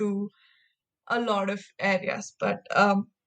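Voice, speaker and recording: This is a woman speaking. She has a Kannada accent. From India, Karnataka. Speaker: climate activist. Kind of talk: podcast interview.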